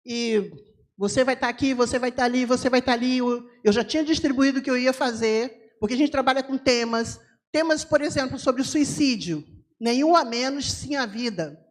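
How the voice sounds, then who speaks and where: High-pitched woman, missionary, church testimony, lively storyteller, mimics voices. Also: normal speed. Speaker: missionary speaker. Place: church sanctuary.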